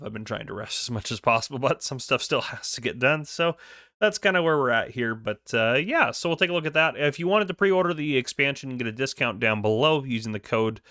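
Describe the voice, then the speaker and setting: A man's voice: medium pitch, sharp tone, dry recording, clean studio sound. Stuffy-nosed man chatting about a game. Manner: chatty, rambling with many ums. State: congested, stuffy from a cold. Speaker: gaming channel host. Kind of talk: casual game news commentary.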